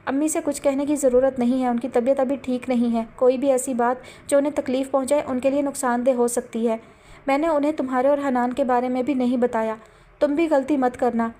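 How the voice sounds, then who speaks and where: Woman voicing stern elder sister, high, cold, cutting. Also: fairly even intonation, lightly acted. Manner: cold, sharp, scolding. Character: firm protective elder sister, young woman.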